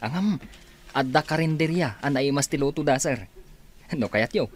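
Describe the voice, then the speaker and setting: An actor playing a friendly village eatery owner who speaks humbly and politely. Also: male voice, fairly high pitch, expressive, normal speed. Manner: deferential, says sir often. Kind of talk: Ilocano radio drama acting.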